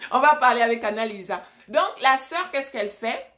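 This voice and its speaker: Woman vlogger from africa, talks straight at the camera, blunt and emphatic, voice a bit on the high side. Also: bright, forceful tone. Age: adult, married mother. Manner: emphatic and direct, asks viewers rhetorical questions. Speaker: vlogger and storyteller. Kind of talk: casual vlog monologue.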